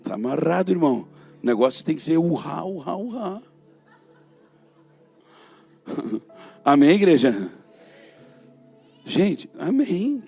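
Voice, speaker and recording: A Brazilian man preaching a sermon, swinging from loud calls to the congregation to hushed asides. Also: on the high side, big pitch swings, slow pace, creaky, pauses often, slightly rough, soft background music. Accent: Brazilian Portuguese. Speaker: prophet preacher.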